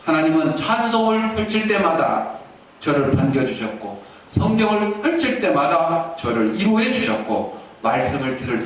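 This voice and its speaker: A man's voice: fairly high pitch, a little hiss or hum. A pastor voicing a man with leprosy who is tearfully confessing his gratitude, heard in an echoey church from a distance. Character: weeping man with leprosy giving thanks.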